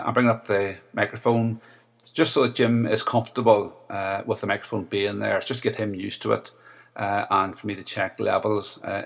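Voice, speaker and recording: A man with a Northern Irish accent and a deep, rough voice, leaving a hesitant recorded message for a podcast host with many fillers. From Northern Ireland. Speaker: listener sending in a voice message.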